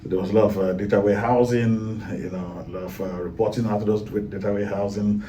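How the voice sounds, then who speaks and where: A man's voice: fairly low pitch, steady tone, quick pace, dark tone, far from the mic. A man from Cameroon, a guest in a casual talk, speaking with many fillers and restarts. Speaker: guest, IT project manager.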